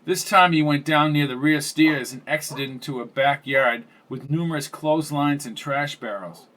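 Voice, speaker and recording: A man reading thriller narration in a steady, measured way. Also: fairly high pitch. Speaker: audiobook narrator.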